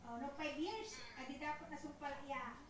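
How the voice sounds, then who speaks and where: High-voiced woman in a very echoey room. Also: steady tone, moderate pace. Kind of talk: casual chat about loan payments and charges. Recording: very echoey, distant, noisy room recording.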